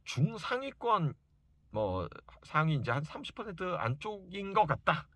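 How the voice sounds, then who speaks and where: A man's voice: high voice, big pitch swings, moderate pace, a bit bright, dry recording. A man giving an informal educational talk to parents as a study coach, speaking emphatically and insistently and repeating key points for stress. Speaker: private reading and study coach advising parents.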